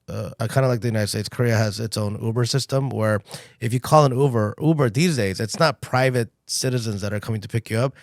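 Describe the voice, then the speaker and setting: A man's voice: fairly low pitch, dry recording, clean studio sound. A man hosting a casual podcast chat, asking questions and telling stories with frequent ums. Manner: animated storytelling, frequent ums. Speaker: podcast host.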